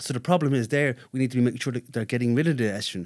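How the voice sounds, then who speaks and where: Very fast speech from a man with an Irish accent, medium in pitch, with fairly even intonation, on a very clean recording with a silent background. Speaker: fitness trainer and performance consultant. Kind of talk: expert interview.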